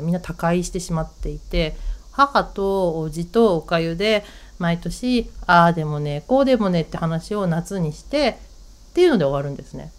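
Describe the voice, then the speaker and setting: A woman hosts her radio talk show alone, with a lowish voice that swings widely in pitch. She talks casually and bounces through a family story, putting on her relatives' voices as she goes. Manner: chatty, animated, acts out quoted relatives.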